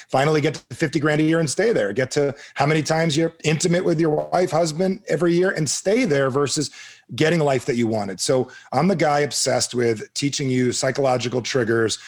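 A man from New Jersey speaks as a podcast guest in a casual, conversational style. His pitch is mid-range, and he leans on repeated phrases for emphasis. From New Jersey, United States. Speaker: guest, author and coach. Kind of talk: casual interview talk.

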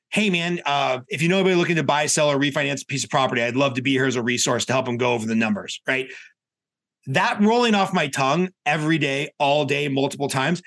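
A man's voice: medium pitch, a bit bright. A man speaking as a guest coach on a podcast, giving candid, colloquial advice with emphatic repetition. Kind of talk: podcast interview, conversational advice.

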